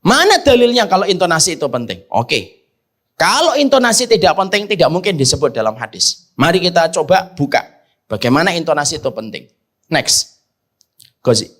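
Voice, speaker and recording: A man preaching a sermon in an animated way, asking rhetorical questions and swinging between loud emphasis and soft asides. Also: a little high, normal speed. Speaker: Islamic preacher.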